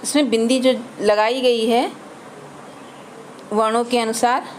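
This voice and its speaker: A woman with a somewhat high voice teaches a grammar lesson very slowly, sounding out each letter and example word in turn. Faint background noise sits under the recording. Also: steady tone. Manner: slow, spelling out letters and examples one by one.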